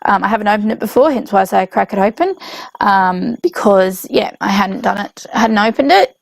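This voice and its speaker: A woman with a young child, hoarse from illness, casually narrating her scrapbook process with lots of ums and self-corrections. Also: medium pitch, expressive, fairly quick, no room sound. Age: adult with a young child. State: hoarse, voice coming and going from illness. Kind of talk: casual voice-over narration of a craft video.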